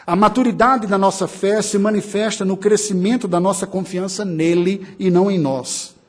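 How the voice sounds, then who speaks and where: A man from Brazil preaching with a notably high voice, driving his points home with emphasis. He mixes ironic asides and brief chuckles into a steady expository sermon. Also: normal speed. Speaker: pastor.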